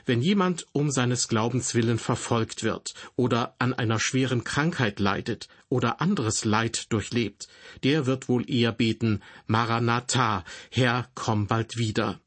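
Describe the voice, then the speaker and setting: Husky male radio Bible teacher, calm measured scripted teaching, mid-range voice. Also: mid-range voice.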